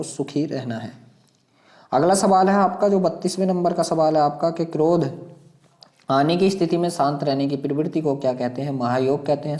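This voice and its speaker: Mellow-voiced man teaching an exam lesson. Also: a little high. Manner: instructive, repeats phrases, poses questions to students. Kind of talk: exam lesson, reading questions and passages aloud.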